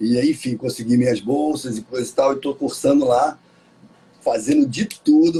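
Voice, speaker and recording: With ordinary variation in pitch, a man delivers his words at a moderate tempo. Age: 60s. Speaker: musician. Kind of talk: interview. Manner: casual, halting with repetitions.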